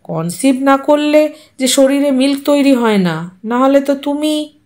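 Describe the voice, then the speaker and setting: A woman's voice: high voice, lively intonation, measured pace, darkish tone. A woman voicing a hesitant young husband who mumbles his words. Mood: muttering. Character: anxious young husband, timid and soft-spoken.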